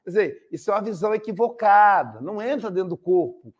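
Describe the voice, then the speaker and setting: A man's voice: sits high, animated, quick pace, highs cut off. An older man with a Brazilian Portuguese accent giving a spiritist talk, telling stories and acting out the people in them. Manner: storytelling with acted quotes. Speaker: spiritist speaker.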